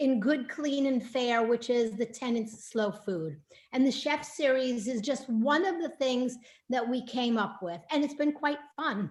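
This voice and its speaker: The voice is loud, with ordinary pitch variation. It moves at a fairly slow pace. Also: woman. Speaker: nonprofit chapter chair. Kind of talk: event hosting on video call. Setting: video call.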